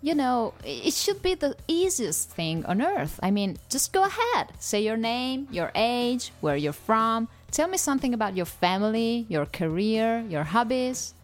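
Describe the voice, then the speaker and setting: Lively woman podcast host. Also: fairly high pitch, unhurried, hardly any pauses, soft background music. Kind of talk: English-learning podcast chat.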